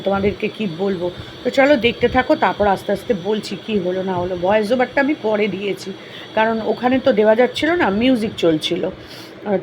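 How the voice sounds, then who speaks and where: An older woman narrating her vlog in a chatty, rambling, soft-spoken voice-over. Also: fairly high pitch, rough recording. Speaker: vlogger. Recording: noticeable background noise.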